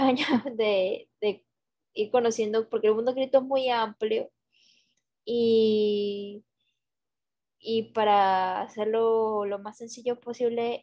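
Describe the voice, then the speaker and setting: A woman's voice: on the high side, a little mellow. A young woman talking casually on a video call, hesitant, with many fillers and restarts. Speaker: guest, graphic designer. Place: small room at home, indoors. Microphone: headset on video call. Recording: dull lo-fi video call audio.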